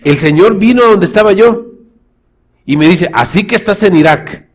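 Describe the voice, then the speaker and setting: The preacher's voice sits high and sounds expressive, moving at a moderate pace. He's a pastor delivering a sermon in church, telling stories and referring to the congregation as brothers.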